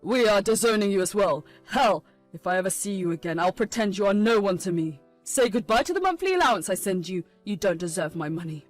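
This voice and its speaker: A woman's voice: medium pitch, animated, a little fast, hardly any pauses, dry recording, faint music behind, pitched below the performer's own voice, natural voice. A woman voicing an angry grown son who disowns his mother. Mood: cold. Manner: angry, scolding.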